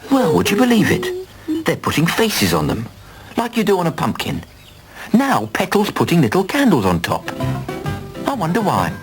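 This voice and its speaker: A man's voice: high voice, wildly swooping pitch, normal speed, pauses often. A British man narrating a children's cartoon in a playful, exclamatory way, talking directly to young viewers. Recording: music running behind the voice. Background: cartoon music.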